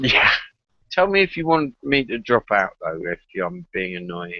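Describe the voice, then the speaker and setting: Using very wide pitch swings around a medium pitch, a man speaks at a fairly slow pace in a dry, close sound with no echo. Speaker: stream panelist. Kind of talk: casual chat.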